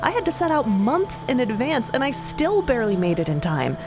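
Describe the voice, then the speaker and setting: A woman voicing an excitable young princess envoy in an audio drama, gushing and babbling with breathless eagerness. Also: on the high side, brisk, music in the background, pitched above the performer's own voice. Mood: elated, eager. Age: young adult. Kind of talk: audio drama character acting.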